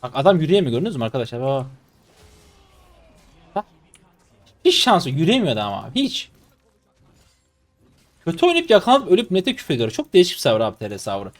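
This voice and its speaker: A man in his twenties, a live streamer giving excitable, mocking gameplay commentary. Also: fairly high pitch, quick pace, long pauses. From Turkey. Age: 20s. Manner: excitable, mocking and trash-talking.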